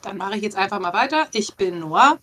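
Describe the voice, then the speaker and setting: A woman's voice: mid-range voice, expressive, brisk, fairly bright tone. A woman in her thirties from Saxony-Anhalt, Germany, chatting casually as a podcast member. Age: 30s. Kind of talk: casual chat.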